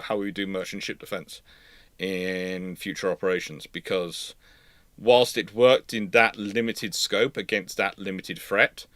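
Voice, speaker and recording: A man hosting a live panel discussion, answering questions in a measured, emphatic and opinionated way. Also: fairly low pitch, a bit bright, dry recording. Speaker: live stream host answering viewer questions.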